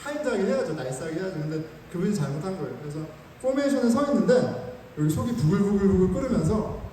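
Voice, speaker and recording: A man preaching a sermon as pastor, telling a story in an animated, self-mocking way, recorded in a church sanctuary with the mic some distance away. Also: high-pitched, fast, slight background noise. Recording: echoey hall, mic far off.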